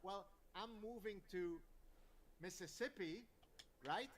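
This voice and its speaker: A man from Lebanon whose first language is French, a guest telling stories with animated sarcasm in casual chat. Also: high-pitched, takes it slowly, a little hiss or hum.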